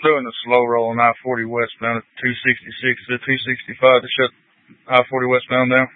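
A man working a highway closure, calling in over a two-way radio like a CB, brisk and businesslike. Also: completely flat delivery, no room sound. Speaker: state trooper at a highway closure. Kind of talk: police radio traffic. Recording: dry, tinny radio transmission.

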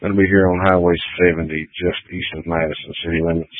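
A man's voice: sits low, little pitch movement, quick pace, no echo. A man on patrol, heard over a two-way police radio, speaking in clipped radio codes and reading out plate numbers. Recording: tinny, dry radio transmission.

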